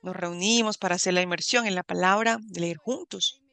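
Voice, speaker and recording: Creaky-voiced woman from Ecuador giving testimony. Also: fairly low pitch, a little fast, pushed and bright, dry recording. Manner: earnest, fervent, repeats pious phrases. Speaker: church volunteer giving testimony. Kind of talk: religious testimony.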